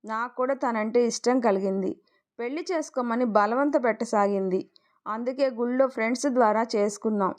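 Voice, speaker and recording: A woman's voice: fairly high pitch, normal speed, close to an everyday voice. A woman voicing an evasive, self-excusing young husband in a storybook tale. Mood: defensive. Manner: evasive, pleading.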